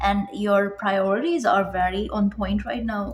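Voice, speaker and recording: A woman is speaking. Noticeable background noise sits behind her voice. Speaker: tarot reader. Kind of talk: tarot reading to viewers. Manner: fast; casual, rambling asides.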